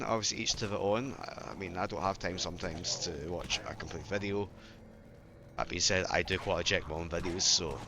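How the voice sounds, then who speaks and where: A man's voice: sits low, noisy background. A man hosting a gaming channel, chatting casually over gameplay with a sore, failing throat, rambling and apologetic, often correcting himself. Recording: game music playing behind.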